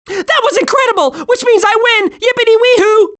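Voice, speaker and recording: Hyperactive high-pitched cartoon squirrel. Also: male voice, a little slow, heavily acted. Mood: giddy, excitable. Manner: excitable, naive, wide-eyed. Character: hyperactive, childlike, scatterbrained young male squirrel. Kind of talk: animated video game voice acting.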